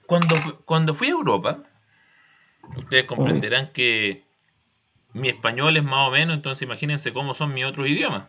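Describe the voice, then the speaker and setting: A man's voice: mid-range voice, lively intonation, moderate pace, sharp tone, slight background noise. A man with a Chilean accent teaching a class, explaining step by step with examples and frequent check-in questions.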